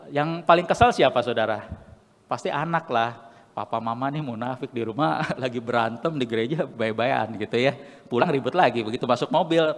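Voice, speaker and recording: A male pastor preaching a sermon, asking rhetorical questions and calling out to the congregation. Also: medium pitch. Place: church sanctuary. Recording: church hall reverb.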